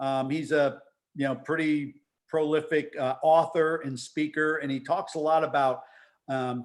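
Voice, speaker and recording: The recording is very clean, with a silent background. A man with an American accent and fairly high pitch speaks at a fairly slow pace in a monotone, flat intonation. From northwestern Pennsylvania. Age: 60s. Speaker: high school wrestling coach. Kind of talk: interview storytelling. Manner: halting, many fillers and repeats.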